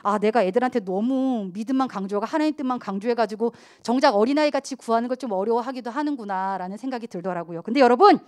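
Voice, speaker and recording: Woman pastor, middle-aged, preaching to teens, high voice, very expressive. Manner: animated, acts out quoted voices of children and church members. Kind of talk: youth sermon.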